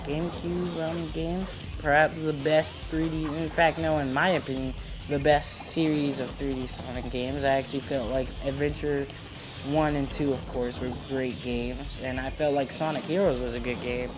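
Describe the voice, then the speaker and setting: A man's voice: mid-range voice, flat delivery, normal speed, rough recording. Teen male, mid-range voice, casual opinionated let's-play narrator, game soundtrack underneath. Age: 14, teenager. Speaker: gamer narrating a playthrough. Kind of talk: casual rambling gaming commentary. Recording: game music behind the voice. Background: video game music.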